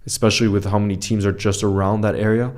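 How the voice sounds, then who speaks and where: A man's voice: fairly low pitch, flat delivery, quick pace, darkish tone. A man chatting casually on a football live stream, reading viewer comments aloud and greeting people by name, often repeating himself. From mixed French and Icelandic background.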